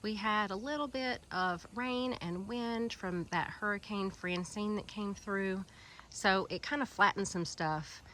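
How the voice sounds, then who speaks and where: With a mid-range voice, a sharp tone and a measured pace, the Alabama Gulf Coast vlogger chats through a slight hiss or hum. Nursing a stuffy head cold, the Southern US woman wanders her outdoor garden filming it by hand, rambling casually and filling pauses often on this walking garden tour.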